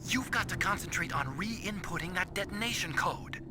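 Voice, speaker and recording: Military support adviser, high pitch, focused, urgent, cautioning, video game drama, loud music. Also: male voice, expressive, moderate pace. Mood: urgent, advising. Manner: urgent, instructive.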